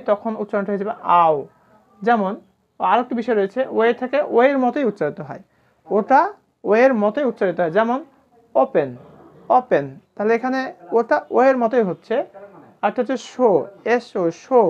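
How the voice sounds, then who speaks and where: A native Bengali-speaking woman teaching English pronunciation in a recorded lesson, slowly repeating example words and pausing with fillers. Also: fairly high pitch, darkish tone. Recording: dull lo-fi sound.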